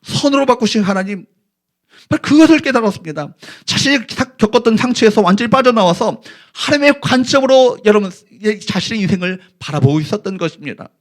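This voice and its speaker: Middle-aged guy pastor giving a sermon in church, pretty high voice, keeps asking the crowd questions. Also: animated, fairly quick. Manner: asks the congregation questions and leads them in reading aloud. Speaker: senior pastor. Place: church sanctuary.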